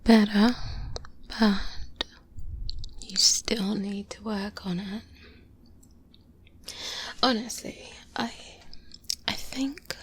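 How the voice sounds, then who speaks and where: A woman playing a confident, wary vampire hunter mentor in a soft-spoken, breathy ASMR roleplay, close to the microphone with hesitant pauses. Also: mid-range voice, steady tone. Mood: stern, coaching. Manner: slow, hesitant pauses, intimate. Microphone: close-up binaural microphone.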